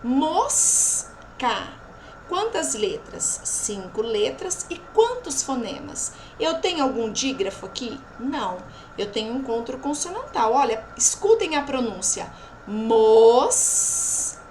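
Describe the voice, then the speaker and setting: A woman's voice: sits high, sing-song, slight background noise, rough recording. A Brazilian Portuguese woman teaching a lesson, drawing out example words and checking in with her class after each point. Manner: slow, drawn-out pronunciation of example words. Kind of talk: recorded remote lesson.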